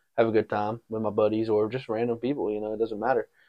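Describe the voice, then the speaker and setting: The speaker has a Southern US accent. The pace is fairly quick. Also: man. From Mississippi. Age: 20s. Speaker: podcast co-host. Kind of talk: casual chat. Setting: outdoor covered porch. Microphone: new microphone.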